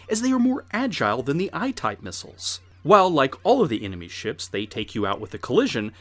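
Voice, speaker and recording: A man giving scripted, informative narration as a retro game presenter, with emphatic, explanatory phrasing. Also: medium pitch.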